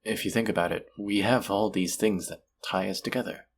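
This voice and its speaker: A man playing a sweet, smitten stranger in an intimate romantic audio roleplay, speaking softly and hesitantly in a husky, gravelly voice. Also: lowish voice, steady tone. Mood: tender, hesitant. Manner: soft, hesitant, tender, with pauses.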